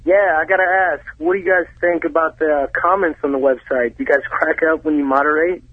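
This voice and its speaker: A man's voice: on the high side, fairly even intonation, fairly quick, husky, no room sound. A laid-back man calling in to a talk show and talking in easygoing slang. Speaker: caller. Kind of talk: phone-in chat. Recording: tinny phone line.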